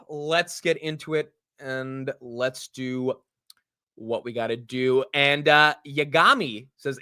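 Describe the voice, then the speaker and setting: A man's voice: on the high side, a bit bright, clear, resonant tone, no echo, clean studio sound. Upbeat young man hosting a live stream. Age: 20s. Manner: upbeat and slangy, greets viewers. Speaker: livestream host. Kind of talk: casual live market chat.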